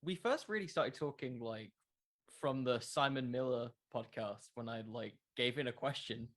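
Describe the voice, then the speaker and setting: A man's voice: mid-range voice, moderate pace, fairly bright tone. A man chatting casually as the guest in an interview. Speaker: podcast creator being interviewed.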